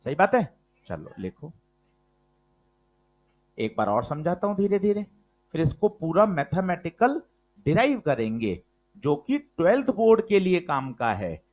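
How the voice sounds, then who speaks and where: Male physics teacher, slightly high voice, slow deliberate delivery, keeps quizzing the class. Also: very animated, a little mellow. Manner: slow, emphatic, quizzes students with questions. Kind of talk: classroom lecture.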